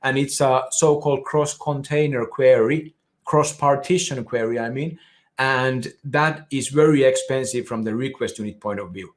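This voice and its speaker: A man's voice: mid-range voice, normal speed. A man from Finland with a Finnish accent, giving a technical conference presentation in an explanatory way with frequent restarts. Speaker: conference speaker.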